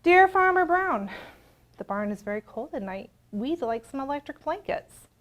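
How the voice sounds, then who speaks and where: A woman voicing a group of polite but demanding cows in a picture book read-aloud, reading their letters in a slow, prim way. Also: high voice, sing-song, voice pushed up.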